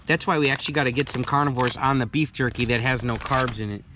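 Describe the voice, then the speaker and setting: A man in his thirties hosts a casual, vlog-style chat, talking fast in a mid-range voice. Faint background noise can be heard.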